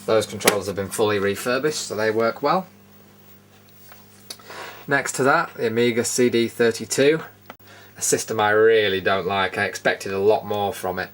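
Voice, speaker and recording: A British man hosts an unscripted, casual tour video from an indoor studio room, narrating show-and-tell style in a matter-of-fact, drily opinionated way. His voice is on the low side and a bit bright, at normal speed with frequent pauses, and background noise is noticeable.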